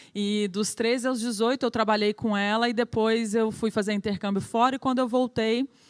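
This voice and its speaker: The recording is very clean, with a silent background. A woman speaks at a moderate pace in a monotone, flat intonation with very even loudness. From Brazil, Goiânia. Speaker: keynote speaker, presenter and entrepreneur. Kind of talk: conference keynote talk. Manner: casual with many fillers.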